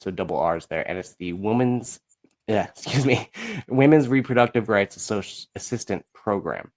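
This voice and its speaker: A man speaking as a podcast guest in casual chat, haltingly and searching for his words. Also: on the low side. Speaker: podcast guest, musical creator.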